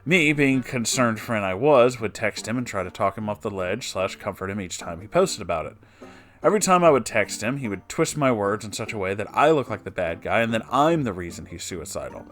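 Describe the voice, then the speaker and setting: A man narrator reading a written personal story aloud, with brief asides of his own. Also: fairly low pitch. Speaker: narrator reading online stories.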